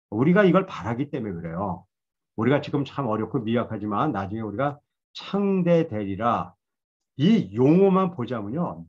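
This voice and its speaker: A man's voice: mid-range voice, darkish tone, husky, muffled recording. A man giving a Bible lecture in a conversational, storytelling way, admitting his own past mistakes. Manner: conversational, self-deprecating storytelling.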